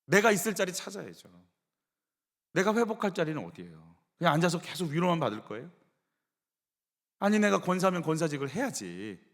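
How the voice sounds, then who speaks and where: Animated Korean pastor preaching. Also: male voice, fairly high pitch, big-room sound. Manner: animated storytelling, acting out quoted voices. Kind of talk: sermon. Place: church sanctuary.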